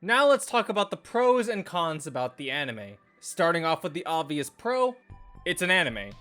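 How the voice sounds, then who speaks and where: A man's voice: on the high side, very animated, normal speed, fairly bright tone. A man reading a scripted anime video review as a reviewer, with music playing behind him. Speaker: anime and visual novel reviewer. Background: background music.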